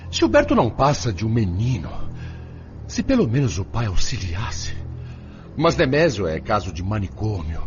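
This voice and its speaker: Um ator interpretando um avô mais velho, espírito angustiado e indignado com a família, em radionovela, com fala enfática. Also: male voice, medium pitch, darkish tone. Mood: bitter, exasperated. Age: older. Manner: emphatic, exclamatory. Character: anguished, indignant grandfather spirit fretting over his family. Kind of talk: radio drama acting. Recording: dull lo-fi audio with music behind.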